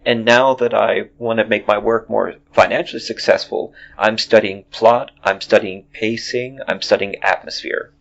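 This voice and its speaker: Gravelly-voiced man in his forties. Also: fairly low pitch, steady tone, moderate pace, few pauses. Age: 40s. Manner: rambling, many restarts. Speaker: podcast host. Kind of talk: casual chat. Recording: dull lo-fi audio.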